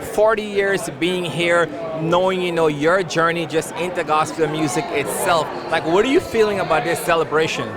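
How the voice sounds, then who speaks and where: A man's voice: on the high side, normal speed, few pauses. A man working as a red carpet interviewer, chatting in an upbeat, gushing, complimentary way with guests. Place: busy red carpet event. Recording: loud crowd noise at busy event.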